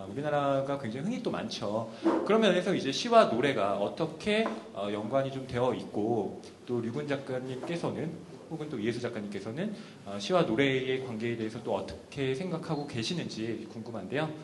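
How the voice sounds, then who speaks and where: Amid noticeable background noise, a man with a medium-pitched voice speaks at a fairly quick pace with lively intonation. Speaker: event host. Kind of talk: live event hosting. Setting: stage with audience.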